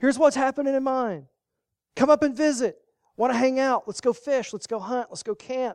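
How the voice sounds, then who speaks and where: A man's extremely high-pitched voice, ordinary pitch variation, big swings in loudness, and a dry, close sound with no echo against a quiet background. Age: 30s. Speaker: pastor. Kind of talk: sermon. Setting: church.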